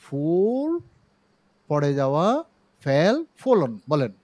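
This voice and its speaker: A middle-aged man with a Chittagong Bengali accent, teaching an online English pronunciation class from his own studio, explaining slowly and having students repeat words. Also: a little high, sing-song, darkish tone. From Bangladesh.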